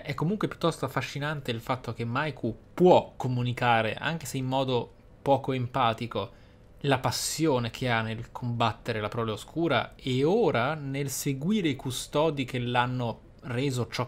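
A man's voice: medium pitch, normal speed. A man giving reflective, emphatic let's play commentary as a gaming host.

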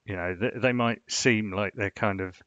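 Low-voiced guy rambling through a design tutorial, lots of "you know", kinda dull dry recording. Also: steady tone, moderate pace, a bit bright, dry recording. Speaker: design channel host. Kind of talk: casual screen-share tutorial.

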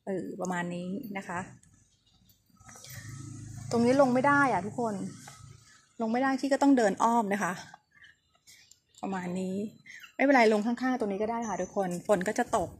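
A woman's voice: on the high side, moderate pace, pauses often. A woman giving a chatty walking tour outdoors and keeping her voice down. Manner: chatty, speaks softly and keeps her voice down. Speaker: travel vlogger touring a temple. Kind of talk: casual guided tour talk. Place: outdoors at a temple on an overcast day. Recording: noisy outdoor recording.

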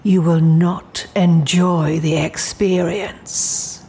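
A woman's voice: fairly low pitch, fairly even intonation, drawn-out words, warm tone, slight background noise. A woman playing a poised, menacing immortal demon in an audio drama, speaking in a genteel, coolly imperious way. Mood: cold menace.

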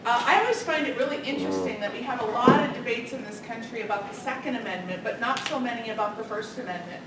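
A loud, energetic middle-aged woman lectures on political science in a big carpeted meeting room. Her voice sits a little high and carries. It is caught by a camera at the back, so it sounds distant and very echoey over a noisy hiss. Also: quick pace. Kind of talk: public lecture.

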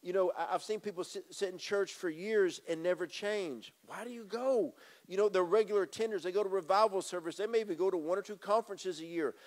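A middle-aged man delivers a sermon into a handheld microphone, his voice sitting a little higher than most men's. He talks straight to the congregation, pressing his points by repeating phrases as he moves about the stage. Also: fairly quick. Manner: emphatic, repeats phrases, addresses congregation directly. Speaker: pastor. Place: church stage with drum kit. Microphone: handheld mic.

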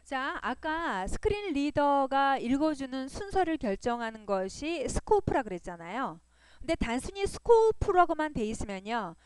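Very animated and high-voiced, a woman speaks at normal speed in a dry-sounding screen-recorded coding tutorial on web design. She is patient and repetitive, frequently checking in with her listeners by asking "그죠?".

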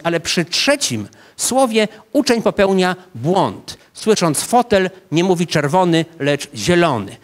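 A man in his fifties, a psychology professor, giving a public lecture to a seated audience and talking them through a scene as a vivid story, with frequent hesitation fillers, on a handheld microphone in an ornate hall. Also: a little high.

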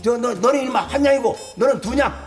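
A blustering older constable in a period television comedy. He scolds and threatens in a high, strained, gruff voice. Music plays behind the scene. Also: fast. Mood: berating. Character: blustering older male constable, bossy and boastful. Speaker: police officer in a period sitcom. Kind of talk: slapstick sitcom acting.

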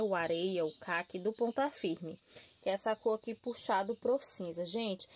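A Brazilian woman hosting a crochet channel, talking casually to viewers in a chatty, friendly way with constant "tá?" and "né?" tags. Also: mid-range voice. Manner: chatty, warm-hearted, addresses viewers as "gente", frequent "tá?" and "né?" tags. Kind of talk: casual tutorial talk to viewers. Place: small room at a work table. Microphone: camera filming her hands and table from above.

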